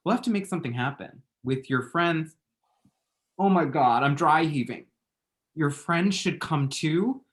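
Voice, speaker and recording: A man's voice: on the high side, animated, unhurried. A man reading the part of a dramatic, self-mocking young gay man, sarcastic and theatrical, at a table read over a call.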